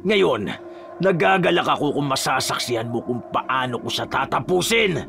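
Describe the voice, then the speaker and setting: A smug aswang villain taunts his foe in a mocking voice, as a male narrator plays him. The delivery is lively, with faint music behind. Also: mid-range voice, normal speed, vocal fry. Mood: taunting.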